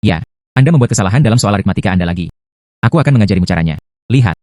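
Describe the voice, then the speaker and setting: A man voicing a fast-talking easygoing young dad. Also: on the low side, expressive, a little mellow, dry recording, studio quality, close to an everyday voice. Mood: patient. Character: poor security guard father, easygoing. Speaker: father. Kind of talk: dubbed drama dialogue.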